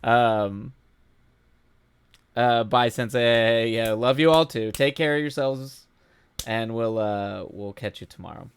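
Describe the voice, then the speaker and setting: A man hosting a casual live stream, rambling with halting restarts and laughing often, his voice starting to go hoarse. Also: mid-range voice. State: voice going hoarse. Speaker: streamer host.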